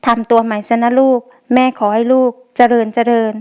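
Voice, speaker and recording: A woman voicing a gentle middle-aged mother who coaxes her grown son kindly. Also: on the high side, little pitch movement, brisk, clear, resonant tone, lightly acted. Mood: tender.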